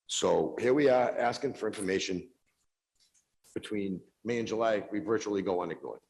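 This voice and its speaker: A man speaking as a city councilor in a council meeting, forceful and exasperated, making his case with rhetorical questions. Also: fairly low pitch, lively intonation, normal speed, vocal fry, rough recording. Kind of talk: council floor speech. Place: council chamber.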